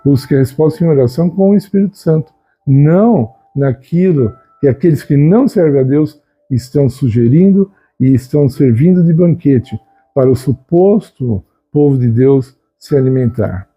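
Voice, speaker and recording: Dark-toned husky man teaching. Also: medium pitch, animated. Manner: unhurried, conversational, frequent "né?" tags. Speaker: Christian video host. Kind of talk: reflective spoken teaching.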